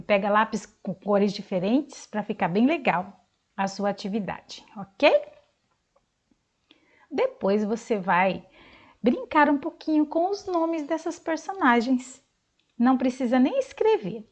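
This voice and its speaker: A Brazilian woman teacher gives a recorded lesson to young children at an unhurried pace. Her fairly high voice rises and falls a great deal as she sounds out words slowly and claps out their syllables. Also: slightly rough. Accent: Brazilian Portuguese. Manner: slow, sing-song teacher talk, clapping out syllables.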